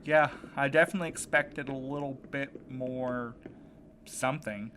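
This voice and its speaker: A man's voice: mid-range voice, fairly even intonation, unhurried, a bit bright, slight background noise, natural voice. A man acting in an audio drama as an earnest, anxious man set on a rescue, speaking with urgency. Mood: earnest, uncertain. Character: determined, anxious young man set on rescuing his friend.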